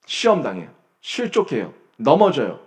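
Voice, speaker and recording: A man from South Korea preaching a church sermon, emphatic, rising to loud bursts and then dropping low. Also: wildly swooping pitch, normal speed. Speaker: pastor. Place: church sanctuary.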